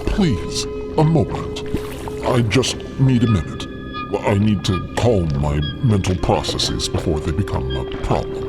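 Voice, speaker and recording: A deep, very slow alien creature speaks in solemn, halting phrases with a watery burble. His delivery swings widely, and loud music plays behind him. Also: lively intonation. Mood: contemplative, shaken. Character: ponderous, gloopy male alien museum specimen with liquid brain. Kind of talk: audio drama character voice.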